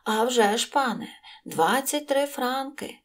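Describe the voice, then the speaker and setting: A woman voicing a greedy, scheming innkeeper's wife from a storybook, whining and fawning, pitched above her own voice. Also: moderate pace, natural voice. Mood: eager.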